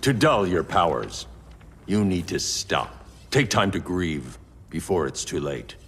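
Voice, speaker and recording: An actor playing a stern, grim vigilante in a game cutscene, with a measured, serious delivery. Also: male voice, low voice, big pitch swings, fairly bright tone, long reverb tail, a little hiss or hum, heavily acted. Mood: somber. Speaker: game character.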